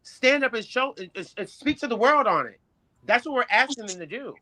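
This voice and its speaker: A trans woman co-hosting a podcast who speaks in a measured, earnest way and steers the group discussion. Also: fairly high pitch, expressive, pushed and bright, dry recording, low-quality recording. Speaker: podcast co-host.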